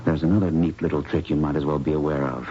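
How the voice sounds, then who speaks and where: Deep, grave male investigator. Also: flat delivery, fast talker. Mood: grim, wry. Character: earnest protective male investigator doctor in love. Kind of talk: 1970s radio drama acting. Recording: muffled noisy old radio recording.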